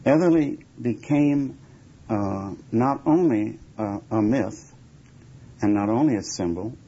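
A man giving reflective interview answers in deliberate, emphatic, measured phrases. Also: fairly low pitch, mellow, breathy edge. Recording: dull lo-fi recording with background noise.

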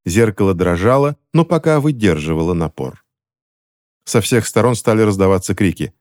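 A man reading a fantasy novel aloud as an audiobook narrator, in a steady, dramatic way. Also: on the low side, moderate pace.

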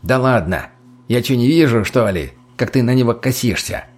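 A man's voice: medium pitch, expressive, normal speed, darkish tone, close to an everyday voice. Crude cheeky junkie dude, a man reading him, mocking and drawling. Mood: taunting.

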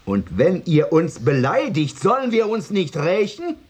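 An actor playing a Jewish vagrant and oddball who recites a declamatory, anguished monologue in a radio drama. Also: male voice, on the high side, huge pitch swings, a little slow, a little mellow, slightly rough, exaggerated voice. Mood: bitter, vengeful.

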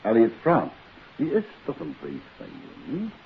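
An actor playing a composed amateur detective in a 1950s radio drama, questioning in a measured, insistent way. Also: male voice, medium pitch, wildly swooping pitch, gravelly, full character voice. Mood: firm, insistent. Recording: hissy old phone-like radio recording.

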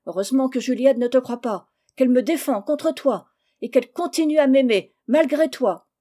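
A woman's voice: on the high side, fairly even intonation, measured pace, warm tone. A woman reading a novel aloud, voicing a hot-tempered orphan boy who is impatient and indignant. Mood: angry. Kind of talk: audiobook character reading.

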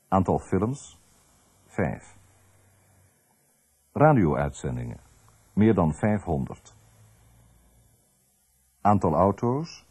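Male radio presenter, low dark voice, terse scripted delivery with pauses between items. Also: slightly rough, no echo. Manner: terse, pausing between item and answer. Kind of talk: scripted narration, clipped list of facts.

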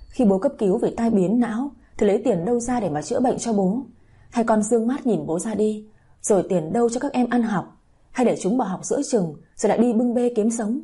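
A woman's voice: mid-range voice, measured pace, mellow, breathy edge. A woman voicing a remorseful young woman, tearful and pleading. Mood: bitter. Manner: tearful, pleading then bitter. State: crying.

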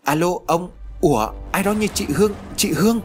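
A man's voice: high voice, lively intonation, a little fast, soft background music, pitched above the performer's own voice. A man voicing a frightened young woman, speaking in an anxious, urgent way. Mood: panicked. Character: frightened young woman searching for her sister.

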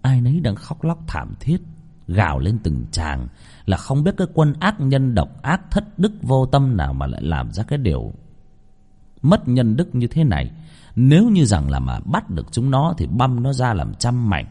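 A man narrating a ghost story with a dramatic, lively reading. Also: mid-range voice, moderate pace.

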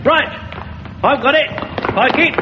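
A high-pitched, flustered old corporal. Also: male voice, measured pace. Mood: bossy, excited. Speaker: comedy actor. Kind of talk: 1970s British sitcom acting. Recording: very noisy, dull, reverberant hall.

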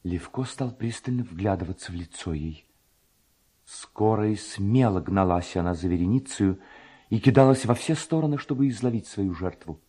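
A man narrating a literary tale in an expressive, poetic, dramatic storytelling style. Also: on the low side, moderate pace, husky.

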